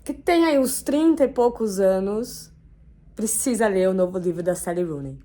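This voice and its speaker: A woman's voice: medium pitch, lively intonation, moderate pace, dark tone. A woman in her thirties with a Brazilian Portuguese accent, chatting casually through a book review and dropping frequent tag questions. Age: 30s.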